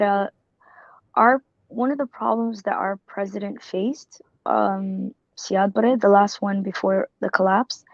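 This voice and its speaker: A woman's voice: medium pitch, dry recording, muffled recording. A woman from Somalia joining an online group discussion, talking in a rambling, earnest way and often correcting herself. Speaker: caller.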